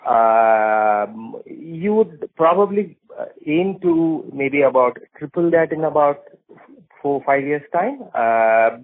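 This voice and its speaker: A man with a husky voice asking analyst questions on an earnings call, phrasing them tentatively. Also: on the high side, lively intonation, takes it slowly. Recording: thin narrow phone line.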